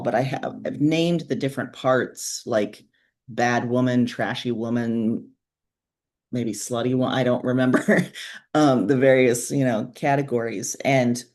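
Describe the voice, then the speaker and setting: Female author as interview guest; low register, reflective, candid, casual delivery. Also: a little mellow. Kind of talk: conversational interview.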